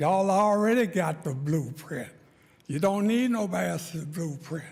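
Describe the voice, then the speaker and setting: In a room with audible echo, a man with a high pitch speaks at a moderate pace with ordinary pitch variation. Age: 70s. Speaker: public commenter. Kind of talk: public comment at council meeting.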